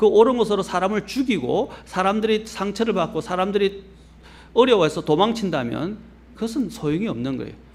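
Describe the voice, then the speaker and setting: With ordinary pitch variation, a man talks fairly quickly at a high pitch. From Gyeongsang Province, Korea. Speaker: pastor. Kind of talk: sermon.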